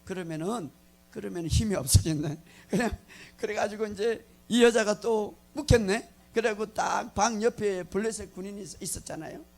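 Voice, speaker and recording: A male pastor delivers a sermon with a rough, gravelly edge to his slightly high voice. He tells the story animatedly, acting out the lines and often laughing as he goes. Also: normal speed.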